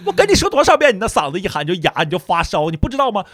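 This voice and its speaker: A man voicing a loud, stern mother who summons her son with curt commands and scolds him sharply. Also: big pitch swings, very fast, no echo. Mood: scolding. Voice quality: very loud booming voice.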